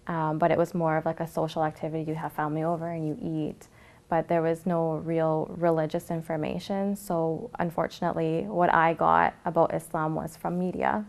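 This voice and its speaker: A young woman from Canada calmly telling her personal story of faith, often pausing with fillers. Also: low voice, vocal fry. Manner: reflective, with frequent fillers. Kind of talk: personal testimony to camera.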